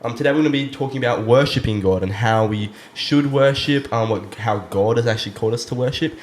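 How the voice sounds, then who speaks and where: A man's voice: mid-range voice, quick pace, slight background noise. A man hosting a Christian podcast, asking questions in an earnest, easygoing way with plenty of ums. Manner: earnest, many "um" fillers. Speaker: podcast host. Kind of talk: casual podcast interview.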